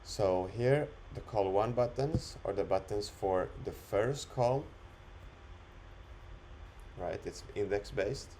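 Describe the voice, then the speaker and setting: A man talking through an unscripted screen-recorded software demo, explaining it step by step in an instructional way. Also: lowish voice, takes it slowly, pauses often, a little hiss or hum. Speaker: software demonstrator.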